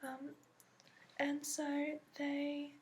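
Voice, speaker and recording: A woman playing a gentle female dragon expert in a soft-spoken, partly whispered ASMR fantasy roleplay, explaining slowly and hesitantly in a put-on accent. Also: sits high, completely flat delivery, a little hiss or hum. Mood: gentle, informative. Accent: put-on, non-native to the performer.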